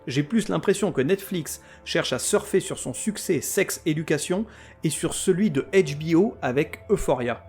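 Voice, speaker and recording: A man with a fairly high speaking voice hosts a scripted comic podcast about television. He rants with sarcasm and crude language, working himself into mock outrage between plain stretches of review. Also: animated, normal speed, darkish tone, soft background music. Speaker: podcast host.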